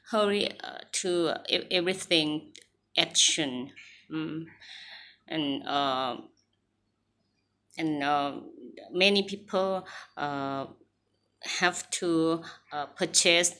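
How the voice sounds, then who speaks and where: A woman in her forties with a Thai accent, talking haltingly to camera in English, with many fillers and restarts. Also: low-pitched, bright, forceful tone. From Thailand. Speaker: vlogger. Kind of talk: casual talk to camera. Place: small room indoors.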